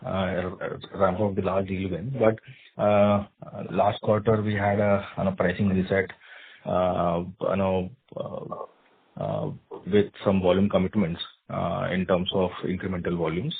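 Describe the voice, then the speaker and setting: A man's voice: deep voice, level tone, unhurried, gravelly, slightly rough, phone-quality sound. A man, an analyst putting questions to management on an earnings call in hesitant, roundabout phrasing. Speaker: financial analyst asking questions. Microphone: conference call line.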